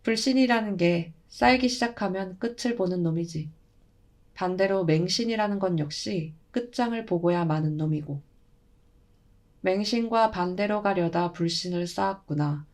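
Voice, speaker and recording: A woman's voice: lowish voice, normal speed, a little mellow, lightly acted. A woman voicing an elderly shaman grandmother who lectures bluntly in old-fashioned speech. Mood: stern.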